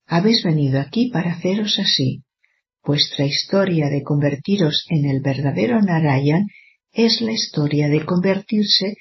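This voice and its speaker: Brief: sermon reader, formal and measured, speaks to the flock as children, middling pitch, muffled low-fi recording. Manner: measured, even, addresses listeners as children. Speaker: reader of a spiritual discourse. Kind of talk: formal scripted reading of a sermon.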